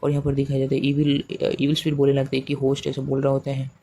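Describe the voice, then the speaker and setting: A man with an Indian accent rattles through a comic recap at a quick clip, his voice dark and mellow and almost without melody. He loops back with fillers and restarts, reading every quote in the same flat narrating tone, over a faint hum of room noise. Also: medium pitch. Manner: rambling, repetitive, many fillers and restarts. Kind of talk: casual story recap narration.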